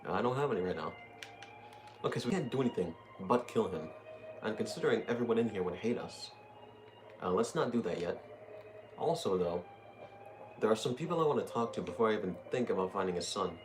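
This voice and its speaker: A man narrates his video game play in a relaxed, exasperated, self-mocking way. His voice sits on the lower side. Faint game music plays underneath. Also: fairly quick, long pauses. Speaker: gaming YouTuber. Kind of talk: let's play commentary.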